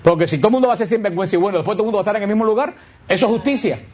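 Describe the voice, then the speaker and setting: A man giving a conversational Bible teaching, asking his audience questions and answering them himself with emphatic swings. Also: very fast. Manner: lively, rhetorical questions, answers his own questions; emphatic swings in pitch and pace. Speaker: Catholic preacher teaching on Romans. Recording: dull lo-fi recording.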